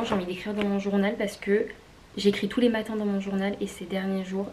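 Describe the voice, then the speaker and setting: A young woman talks casually to her viewers. Her pitch is mid-range and stays quite even, and she sounds informal and confiding. There is slight noise behind her voice. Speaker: vlogger. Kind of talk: casual chat to camera.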